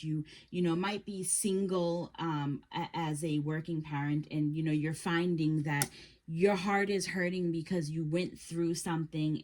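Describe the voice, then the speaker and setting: Soft-spoken woman giving a tarot reading. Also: lowish voice. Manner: meandering, halting, with many fillers and restarts; gentle, reassuring second-person advice. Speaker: tarot reader. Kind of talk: casual tarot reading to camera.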